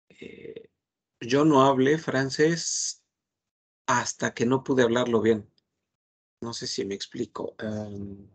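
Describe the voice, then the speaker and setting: Male teacher, slow and patient, gravelly and a bit husky. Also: medium pitch. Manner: patient, repeats words while explaining slowly. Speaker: French teacher. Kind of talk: online class lesson.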